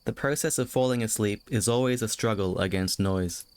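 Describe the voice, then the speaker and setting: Low-pitched man hosting a spooky livestream. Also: moderate pace, clean tone. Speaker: livestreamer, host of a spooky game stream. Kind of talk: casual livestream chat and reading visual novel text aloud.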